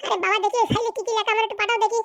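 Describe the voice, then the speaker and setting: A woman voicing an arrogant, brusque female politician in a comedy cartoon, with a rural Bengali accent and a pitched-up voice. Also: level tone, rapid-fire, fairly bright tone, dry recording. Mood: dismissive. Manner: brusque, haughty.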